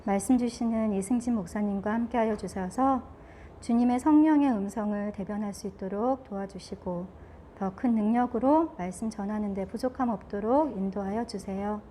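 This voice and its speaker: Earnest woman praying, mellow voice. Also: medium pitch, moderate pace, a little hiss or hum. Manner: earnest, solemn. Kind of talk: opening prayer.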